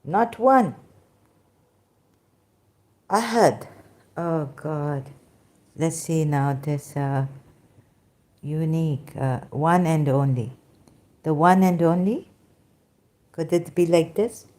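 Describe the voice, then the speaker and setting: A woman with a Pakistani accent speaks unhurriedly in a lowish voice, picking her way through broken English. She stops and restarts often, explaining things at a slow, deliberate pace. She sounds tired and a little winded. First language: Sindhi. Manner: tired, winded and soft-spoken in later part. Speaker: religious commentator. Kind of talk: informal religious talk.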